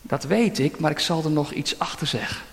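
A sly little demon minion, high and eager, rushing to boast of his plan, as a preacher acts him out. The voice rings in a long hall reverb. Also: vocal fry.

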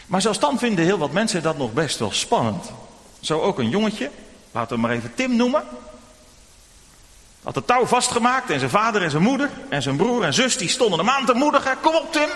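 A man preaching a children's sermon in church, telling a story gently and speaking directly to the children. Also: high voice. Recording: long church reverb.

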